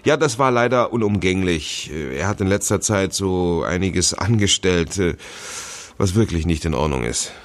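An actor playing a curt, evasive, unpleasant nephew in a German radio drama, reluctant to talk. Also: male voice, deep voice, lively intonation, moderate pace. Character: curt, evasive, shady nephew guarding his own business.

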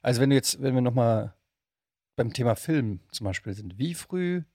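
A man speaking as a podcast host, chatting informally and curiously, thinking out loud as he asks. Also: mid-range voice, lively intonation, normal speed, dry recording, clean studio sound. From Germany. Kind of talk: casual interview chat.

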